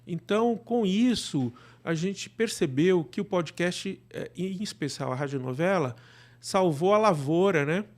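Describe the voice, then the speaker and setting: A man with a Brazilian accent speaking as an interview guest, conversational and halting, repeating words and adding tag questions. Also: high voice, expressive. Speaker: interview guest, radio drama producer.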